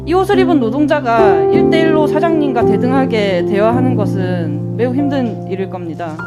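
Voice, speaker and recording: Indignant young woman grilling an official. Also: fairly high pitch. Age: 20s. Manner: pointed, indignant, rhetorical questions. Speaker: lawmaker questioning an executive. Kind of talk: parliamentary questioning. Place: national assembly hearing room. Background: faint guitar music.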